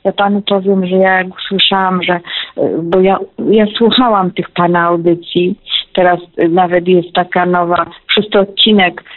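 A widowed woman, close to tears, calls in to share an emotional personal story, talkative and emphatic and often repeating herself. Her voice is on the low side with a flat delivery at normal speed. The recording is dry, over a tinny telephone line.

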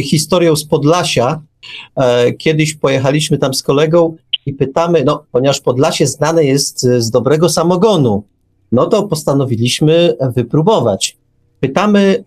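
A man's voice: a little high, darkish tone. A man hosting a radio talk show, speaking thoughtfully with frequent hesitations. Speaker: radio host.

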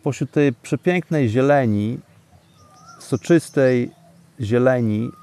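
A man leads a guided breathing meditation in a dark, relaxed voice at an average male pitch. He speaks deliberately and soothingly, leaving pauses between phrases. He is outdoors in a forest, with birdsong around him. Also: clear, resonant tone. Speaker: podcast host and meditation guide. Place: outdoors, sitting in a forest among bamboo. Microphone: microphone exposed to wind.

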